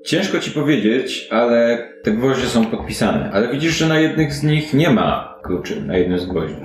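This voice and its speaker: A man's voice: medium pitch, animated, normal speed. A man narrating an improvised tabletop role-playing game as game master, in a conversational, descriptive way. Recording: roomy echo, faint music. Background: music.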